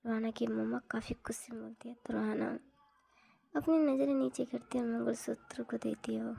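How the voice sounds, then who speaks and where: Brief: woman storyteller, high, flat delivery, husky and gravelly, slipping into soft whispers. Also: fairly quick. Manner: plain, steady narration with frequent soft whispery passages. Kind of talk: retelling a drama story.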